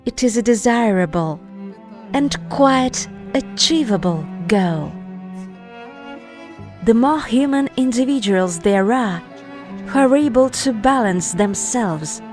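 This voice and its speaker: A woman reading a scripted spiritual voice-over in a measured, deliberate way, phrase by phrase with pauses. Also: on the high side, expressive, a little mellow. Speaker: narrator reading an article. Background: music.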